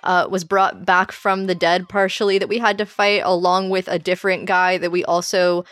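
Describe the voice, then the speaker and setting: A woman's voice: lowish voice, flat delivery, moderate pace, a bit bright, no echo. Woman player recapping a game, dry sound. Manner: explains at length, rambling. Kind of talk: casual game chat.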